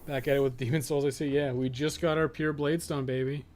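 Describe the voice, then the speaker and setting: A man's voice: mid-range voice, steady tone, fast talker, darkish tone. A man giving casual, profane live game commentary, chatting informally and often muttering to himself as he plays. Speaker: gaming podcast co-host.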